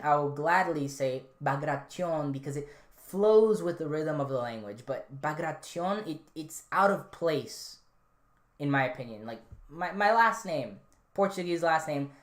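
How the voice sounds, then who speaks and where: A man hosting a podcast, chatting casually and answering a live chat, rambling with frequent ums and restarts. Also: fairly high pitch. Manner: relaxed, rambling, many fillers and restarts. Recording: roomy echo.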